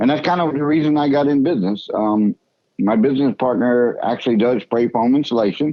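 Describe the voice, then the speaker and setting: The voice carries a South Louisiana accent. It moves at a moderate pace with ordinary pitch variation. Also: man. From South Louisiana, US. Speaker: pest control business owner. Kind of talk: interview. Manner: halting, many fillers and repeats.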